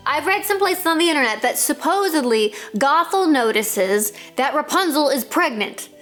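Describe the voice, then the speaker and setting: A woman's voice: high voice, animated, moderate pace, fairly bright tone, soft background music. A woman hosting a storytelling video, chatting casually and animatedly as she retells a fairytale and acts out bits of dialogue.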